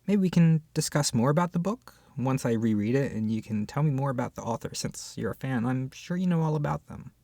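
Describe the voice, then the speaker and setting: A husky, creaky voice acts out one side of a scripted roleplay conversation as an opinionated, easily flustered book club member. The delivery is expressive and hesitant, dropping into sighs and whispered asides. The sound is dry and close. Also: mid-range voice, a little fast, few pauses, dry recording. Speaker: ASMR roleplay voice actor.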